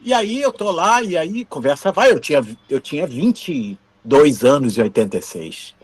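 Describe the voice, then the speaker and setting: This former TV camera operator from Brazil, now in his fifties, shares interview anecdotes and acts out the conversations. His husky voice is on the high side, with lively intonation and a normal pace.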